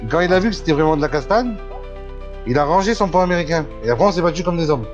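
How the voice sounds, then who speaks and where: A man's voice: fairly high pitch, animated, fast, dull audio, music in the background. A man improvising a streetwise gang member arguing his side in a gaming roleplay. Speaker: GTA roleplay player.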